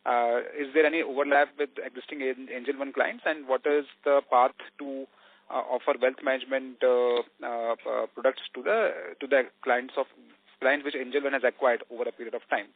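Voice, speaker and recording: A man's voice: mid-range voice, fairly even intonation, a little fast, no echo. A man, an analyst asking questions on an earnings call, with many hesitant fillers. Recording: phone line, dry.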